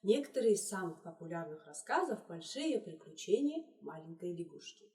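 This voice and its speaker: A woman teaching a children's English lesson, slowly repeating each word in three languages. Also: fairly low pitch, very animated, mellow. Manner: slow, deliberate, repeats words in three languages. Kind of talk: trilingual video lesson for children. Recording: echoey room, voice distant from mic.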